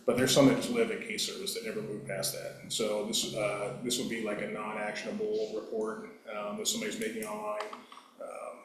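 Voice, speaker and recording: A man who is a police captain answering questions in a brisk, procedural way. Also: lowish voice, completely flat delivery, a crowd in the background. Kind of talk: official briefing. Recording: very echoey room, murmur of people.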